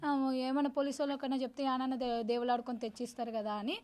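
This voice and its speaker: A woman speaks in a high voice. She talks fast and insistently and circles back over her own words, giving interview testimony. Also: little pitch movement, darkish tone. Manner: rapid, insistent, repeats herself. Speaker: victim's sister interviewed.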